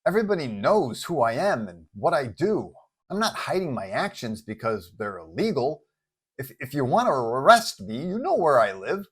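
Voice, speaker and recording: A man's voice: medium pitch, very animated, moderate pace, slightly rough. A man voicing a flabbergasted, idealistic superhero boyfriend in a story, stammering and incredulous. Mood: defensive.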